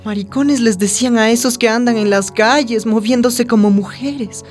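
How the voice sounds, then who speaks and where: A woman's voice: a little high, normal speed, a little mellow, faint music behind, natural voice. An actress playing a trans woman who narrates her painful childhood in a radio drama, intimate and wistful. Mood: sad, reflective.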